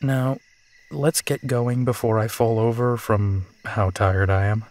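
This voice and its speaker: A man's voice: mid-range voice, fairly even intonation, a little slow, darkish tone, close to an everyday voice. A man playing a tired, teasing werewolf detective in an intimate audio roleplay. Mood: weary.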